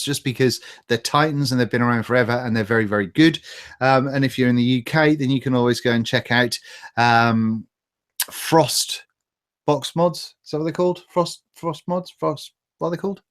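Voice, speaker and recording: A man with a British accent hosting a livestream in a chatty, casual, sweary way. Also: mid-range voice. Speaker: livestream host. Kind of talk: casual chat, reading viewer comments.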